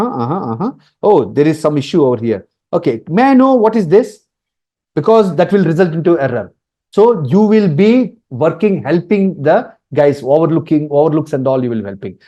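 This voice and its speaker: A man's voice: a little high, warm tone. A man from India with a Telugu accent, a native Telugu speaker, teaching a webinar informally as an instructor, repeating points emphatically and checking in often. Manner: repetitive, emphatic, checks in with "okay" and "right".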